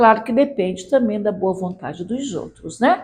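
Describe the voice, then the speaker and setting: A woman's voice swings very widely in pitch amid audible room echo. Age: 70s. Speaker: spiritist lecturer. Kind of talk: religious lecture. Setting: lecture hall with live audience, streamed. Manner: conversational.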